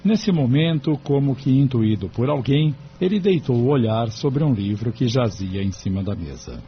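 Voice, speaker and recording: A man's voice: medium pitch, animated, normal speed. Man narrating an audiobook, muffled.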